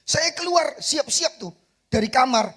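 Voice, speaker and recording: Husky high-voiced East Javanese pastor preaching. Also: male voice, unhurried. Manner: animated preaching that swings from soft asides to shouted peaks, calling for amens. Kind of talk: sermon. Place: church sanctuary.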